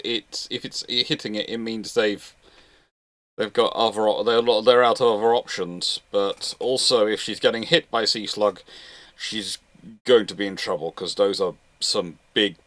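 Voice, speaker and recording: A man's voice: fairly low pitch, a little slow, fairly bright tone, dry recording. A man hosting a casual live question-and-answer chat, hesitant, often repeating and rephrasing his words. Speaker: host moderating questions.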